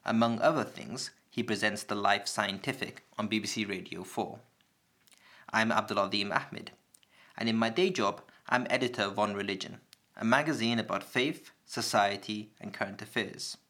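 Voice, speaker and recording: A British man with a fairly low voice hosts a radio programme. He reads his introduction in a measured, calm way and asks clear questions. He is recorded on a microphone in an office. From Britain. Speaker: radio presenter. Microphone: studio microphone in an office.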